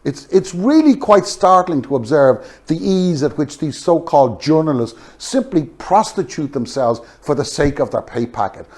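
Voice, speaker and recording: Animated, higher-pitched man giving scornful commentary. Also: moderate pace, hardly any pauses. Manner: emphatic, scornful, rhetorical questions. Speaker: political commentator. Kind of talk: opinionated monologue commentary on news.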